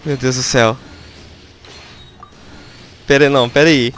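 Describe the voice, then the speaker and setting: Over faint background music, a game streamer with a Brazilian Portuguese accent excitedly comments on gameplay during a live stream, even talking straight to the game. His voice is medium-pitched and his pace measured.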